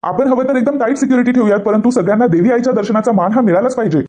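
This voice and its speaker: A man reading the part of an earnest young daughter-in-law who pleads her case in a high, mellow voice. The words come out in a rapid rush. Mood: pleading.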